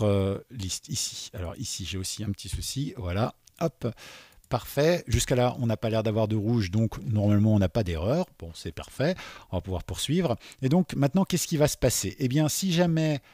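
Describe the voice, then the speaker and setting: A fairly low-voiced man walks beginners through a coding exercise, chatting and thinking aloud as he types. His voice sits close and dry on the mic. Keyboard clicks come and go behind him. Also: dark tone, no room sound. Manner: chatty, thinks aloud while typing, frequent "d'accord?". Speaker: coding instructor. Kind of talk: screen-recorded coding tutorial.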